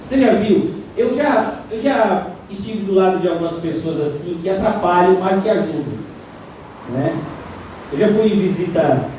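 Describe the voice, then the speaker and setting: High-voiced Brazilian pastor in echoey hall. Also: male voice, slight background noise. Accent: Brazilian Portuguese. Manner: lively, conversational preaching with mimicked voices. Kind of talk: sermon. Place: church hall. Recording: distant, very echoey church hall.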